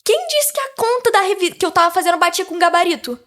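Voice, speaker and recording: A teenage girl speaking as a podcast guest, telling a lively story about her faith with frequent restarts. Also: extremely high pitch, quick pace. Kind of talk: casual faith testimony.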